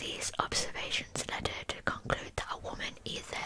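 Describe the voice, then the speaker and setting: Loud background noise behind a woman speaking at a moderate pace. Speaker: true crime storyteller. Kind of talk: casual true crime narration with commentary. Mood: engaged, admiring, informal. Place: home room. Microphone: studio mic.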